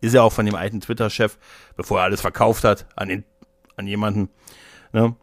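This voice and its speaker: A man's voice: on the low side, fairly even intonation, a little fast, dry recording. A man chatting casually as a podcast co-host, rambling along colloquially with English slang mixed in. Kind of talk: casual chat.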